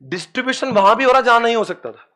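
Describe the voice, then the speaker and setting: A man lectures a class of commerce students in a very high, rapid-fire voice. He's lively, chanting memory tricks and coaxing them to repeat after him, teasingly calling them beta and friends.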